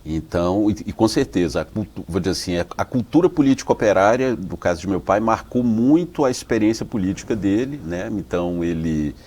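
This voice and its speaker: Guest researcher, Bahian accent, very low voice, measured academic explainer. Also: male voice, animated, darkish tone. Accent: Bahian Portuguese. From Salvador, Bahia, Brazil. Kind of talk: interview answers.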